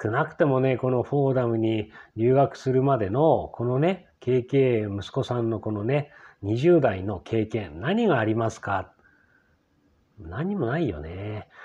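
The intonation rises and falls in a lively way. A man is speaking fairly slowly. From Japan. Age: 60s. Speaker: YouTuber commentator. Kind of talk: casual vlog commentary. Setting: hotel by the sea. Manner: many fillers, hesitant. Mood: critical, lecturing. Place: home room. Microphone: phone near.

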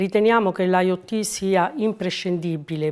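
In a quiet setting, a woman speaks at a fairly low pitch with ordinary pitch variation. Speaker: company executive. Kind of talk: interview. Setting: stage with audience. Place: studio. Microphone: lapel.

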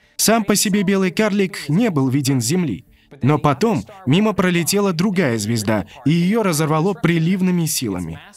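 A man's high voice with lively intonation at a moderate pace, faint music in the background. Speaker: voice-over dubbing narrator. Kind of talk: scripted narration. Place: studio.

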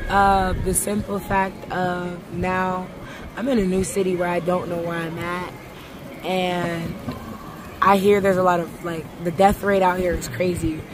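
A woman with an American accent talks fairly slowly in a monotone, flat intonation. The sound is dry with no echo, with noticeable background noise. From New Jersey. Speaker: homeless woman; interviewee. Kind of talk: interview testimony. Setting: outdoors. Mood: candid, recounting hardship. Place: street. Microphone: phone near.

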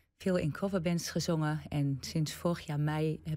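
A woman speaks at a moderate pace. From Netherlands, Overijssel. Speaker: singer; interviewee. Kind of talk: TV interview. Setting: TV studio. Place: studio. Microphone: studio mic.

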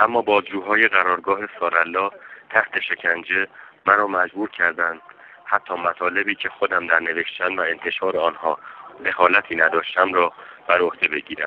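In a monotone, flat delivery, a man talks at a moderate pace with a very deep, low pitch. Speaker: political prisoner. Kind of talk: reading a written legal defense. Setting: phone line.

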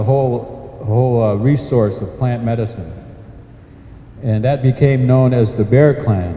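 A man with an American accent speaks at a fairly slow pace and medium pitch. His pitch variation is ordinary, and audible room echo can be heard. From New England, US. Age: old. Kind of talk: conference presentation. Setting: stage with audience. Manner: halting. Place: hall. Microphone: handheld.

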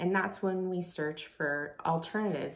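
Her speech moves at a moderate pace, and this woman's pitch varies in an ordinary way. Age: 40s. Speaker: esthetician and beauty vlogger. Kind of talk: skincare tutorial. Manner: casual, filler-heavy. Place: home room.

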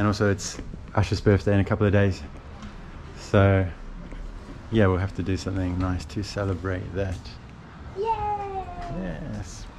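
Against noticeable background noise, a man speaks at a moderate pace in a fairly low voice with fairly even intonation and long, frequent pauses. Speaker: travel vlogger. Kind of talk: casual vlog chat. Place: street. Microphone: phone near.

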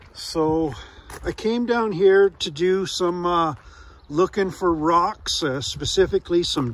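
A man's high-pitched voice at a very slow pace, with ordinary pitch variation and a dry sound with no echo. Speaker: vlogger visiting rock shop. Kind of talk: casual vlog chat. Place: open country. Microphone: phone near.

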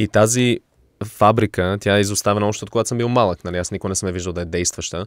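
Against a quiet background, a man with a slight North American accent talks very fast at a fairly low pitch, the sound dry with no echo. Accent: slight North American accent in Bulgarian. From Canada and US, born in Sofia. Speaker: filmmaker and entrepreneur; podcast guest. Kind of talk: casual interview chat. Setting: studio. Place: studio. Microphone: studio mic.

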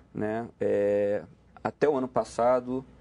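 His tone is dark and mellow, at a medium pitch. The man's intonation stays fairly even. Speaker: English teacher. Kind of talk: exam commentary. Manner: halting.

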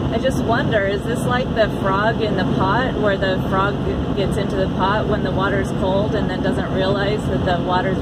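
A woman at a fairly slow pace amid loud background noise. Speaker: van traveler vlogger. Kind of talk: casual vlog chat. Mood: reflective, musing. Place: car. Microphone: camera far.

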